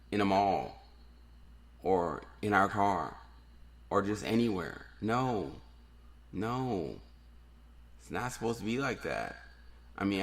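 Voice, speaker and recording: Male podcast host, low voice, earnest solo rant, repeats lines for emphasis. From New Orleans. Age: adult, has daughters.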